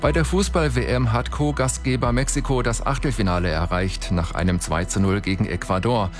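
A man reading the morning radio news as anchor, steady and measured, handing over to a reporter. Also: lowish voice, soft background music. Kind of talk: read radio news bulletin.

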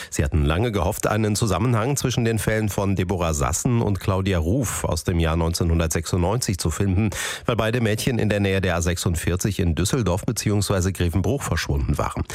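A man reading the radio news as anchor, in a measured, formal way. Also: deep voice. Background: music bed.

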